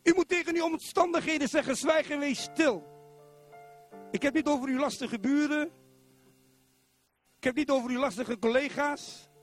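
A middle-aged man from Zwolle preaching a sermon in church, animated and constantly putting questions to the congregation. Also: very high-pitched, fairly quick, faint music behind. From Netherlands, Zwolle.

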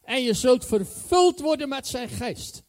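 A man's voice: very high-pitched, lively intonation, measured pace, a little mellow. A male preacher giving a sermon, enthusiastic and emphatic, repeating his key phrases.

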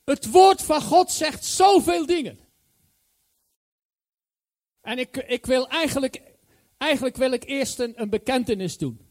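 High-voiced enthusiastic male preacher. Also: lively intonation, a little slow, long pauses, darkish tone. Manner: enthusiastic, emphatic repetition. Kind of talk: sermon.

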